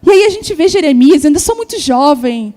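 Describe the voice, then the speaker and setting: A high, mellow-toned woman preaching with a Brazilian Portuguese accent. Her sermon is emotive and story-driven, and she slips into the voices of the people she quotes. A long church reverb hangs on every word over faint music. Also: sing-song, a little fast.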